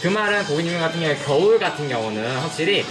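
A man's voice: fairly high pitch, expressive, rapid-fire, over music. A young man speaking politely through a face mask as a beauty consultant, explaining things to a customer. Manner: polite customer-service speech. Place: small indoor beauty consultation booth.

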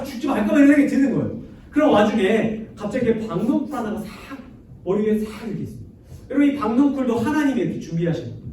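Young guy youth pastor joking around in a sermon, super high voice, lots of church echo, mic kinda far. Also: darkish tone. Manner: playful and chatty, jokes and laughs. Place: church sanctuary. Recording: echoey church from far off with faint noise.

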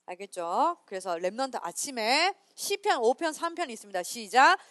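A woman pastor giving an animated children's sermon, leading the children in repeating lines after her. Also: fairly high pitch, no echo, clean studio sound. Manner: animated, leads children in repeating lines, reads scripture slowly and loudly. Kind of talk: children's sermon with call-and-response.

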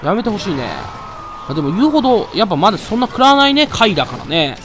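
A man giving excitable live gameplay commentary, loudly taunting and grumbling at the monster he is fighting. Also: high-pitched, quick pace. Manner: excitable, trash-talks the monster with rough taunts. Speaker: let's play commentator. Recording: loud game music behind voice. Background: game music.

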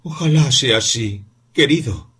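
A man's voice: mid-range voice, animated, pushed and bright, husky, voice pushed up, heavily acted. A man doing a bitter, weary mother. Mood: resentful. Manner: slow, bitter, measured replies. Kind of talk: audiobook character reading.

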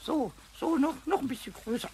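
Squeaky, very high little kobold. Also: male voice, brisk. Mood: curious, musing. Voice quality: squeaky, shrill. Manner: stammering, repeating words in excitement. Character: cheeky little invisible male kobold, boastful and excitable. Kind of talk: German children's radio play acting. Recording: faintly noisy old cassette recording.

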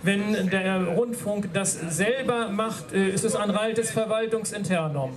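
A man's voice: sits high, unhurried. A man explaining legal points formally to an audience at an outdoor rally, speaking into a handheld microphone. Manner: formal, lawyerly, with hesitant fillers. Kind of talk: explaining law at a public rally. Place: outdoor stage at a street rally. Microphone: handheld mic through PA. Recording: outdoor PA with crowd around.

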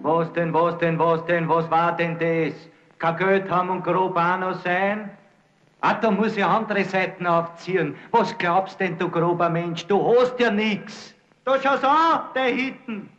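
An actor playing a poor servant who scolds and blusters indignantly. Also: male voice, high voice, fairly even intonation, unhurried, fairly bright tone, highs cut off. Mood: scolding.

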